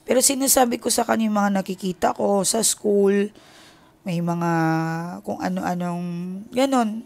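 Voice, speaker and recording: A Filipina tarot reader talks straight to her viewers in a candid, confiding voice. Her pitch sits in a middle range, and she strings her story together with many filler connectors. The delivery is casual and unscripted. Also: measured pace, gravelly, darkish tone.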